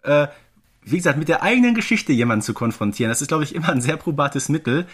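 A man's voice: fairly high pitch, expressive, fast talker, a bit bright, slightly rough. A man co-hosting a podcast, chatting casually and analytically. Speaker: podcast co-host.

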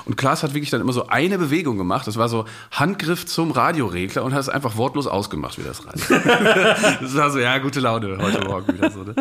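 Male podcast co-host, rapid chatty storyteller, tag questions throughout. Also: medium pitch, very animated, pushed and bright, breathy edge. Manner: rambling anecdote, frequent "ne?" tags. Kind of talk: casual chat, storytelling.

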